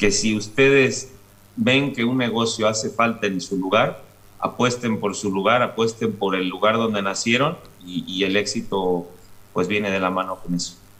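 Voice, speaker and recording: A man speaks with a Mexican accent. His pitch is fairly low and his intonation fairly even. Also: moderate pace. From Mexico. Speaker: entrepreneur. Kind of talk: radio/TV interview.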